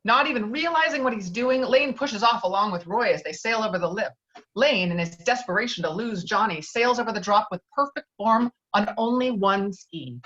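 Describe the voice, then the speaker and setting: A woman's voice: mid-range voice, expressive, normal speed, fairly bright tone. A woman reading screenplay stage directions as scripted narration, heard through slightly dull online audio.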